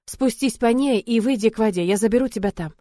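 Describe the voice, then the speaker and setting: A woman voicing a tender, determined young man who speaks calmly and firmly to reassure. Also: fairly high pitch, quick pace, no room sound, lightly acted. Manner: calm, firm, reassuring.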